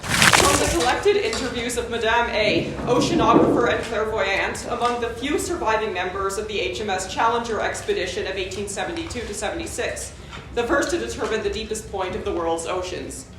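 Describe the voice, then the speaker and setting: A woman giving a measured, lyrical reading of surreal fiction to a live audience at an art gallery. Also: mid-range voice, a bit bright, a little hiss or hum. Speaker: reader at a live art event. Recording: very echoey live gallery recording.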